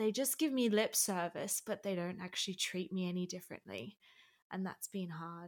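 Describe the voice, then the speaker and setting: On a very clean recording with a silent background, a woman with an Australian accent speaks at medium pitch with ordinary pitch variation. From Sydney, Australia. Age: 20s. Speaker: guest sharing experiences of living abroad. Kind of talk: casual chat.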